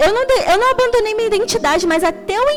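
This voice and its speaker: A woman speaks with a Rio de Janeiro accent, her pitch swinging very widely. Noticeable background noise is audible. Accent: carioca accent, kept. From Rio de Janeiro, Baixada Fluminense. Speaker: deaconess and preacher. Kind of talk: sermon. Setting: church youth service. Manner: animated, extroverted.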